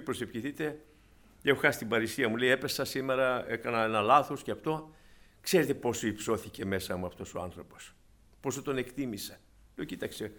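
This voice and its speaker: In this sermon, the preacher shares stories with his congregation, alternating booming calls to action with hushed, low-voiced asides.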